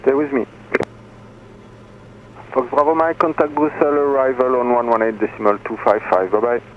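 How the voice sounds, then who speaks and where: A man's voice: mid-range voice, level tone, moderate pace, slight background noise. A man working as an approach controller, giving routine radio instructions. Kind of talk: radio clearances. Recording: tinny aircraft radio.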